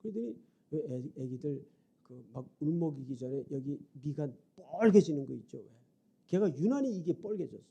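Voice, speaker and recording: A middle-aged man preaching a storytelling sermon, swinging dramatically from hushed to loud. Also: fairly high pitch, lively intonation, normal speed, vocal fry, breathy edge, lo-fi sound. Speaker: revival preacher.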